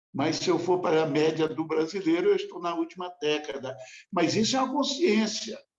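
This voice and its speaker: With lively intonation and a high pitch, a man talks in a space with audible room echo. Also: moderate pace. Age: 70s. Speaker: spiritist lecturer. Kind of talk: lecture.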